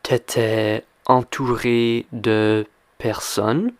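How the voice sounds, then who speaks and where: Very slow, clear-voiced male teacher. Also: mid-range voice, fairly even intonation, no echo. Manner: deliberate, repeats and quizzes the listener. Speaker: French language teacher. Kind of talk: slow question-and-answer reading lesson.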